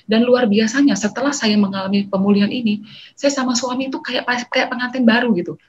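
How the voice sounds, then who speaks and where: A woman's voice: a little high, fast. A woman giving a church testimony, telling her story vividly, acting out what others said and mixing in English phrases. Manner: lively storytelling, acting out quoted dialogue. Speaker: testimony speaker. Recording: dull lo-fi recording.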